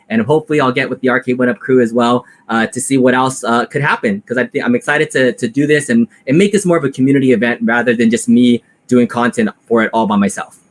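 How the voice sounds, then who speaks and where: Male reviewer, casual live-stream chatter, loose and filler-heavy, middle pitch. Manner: relaxed, rambling with many fillers. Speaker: product reviewer and content creator.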